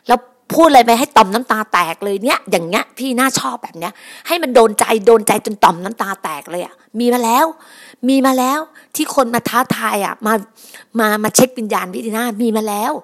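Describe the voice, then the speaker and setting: Emphatic woman preaching, high voice. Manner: emphatic, repetitive, calls listeners brothers and sisters. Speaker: preacher and podcast host. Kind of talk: sermon.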